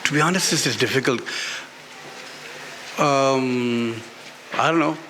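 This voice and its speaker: Speaking slowly in a sharp-toned, medium-pitched voice, a middle-aged man with a Pakistani accent sits on a festival panel as an author. He answers candidly and emphatically, repeating phrases for stress, at a live literary session in a garden venue with background noise from the event.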